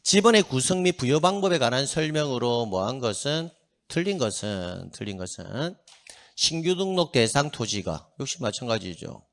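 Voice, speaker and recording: A middle-aged man teaches an exam-prep lesson with a lively, swinging pitch. He keeps asking his students a question and answering it himself, and drills them to repeat phrases aloud, with a few joking asides along the way. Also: normal speed, creaky. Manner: animated, asks and answers his own questions. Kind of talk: exam lecture.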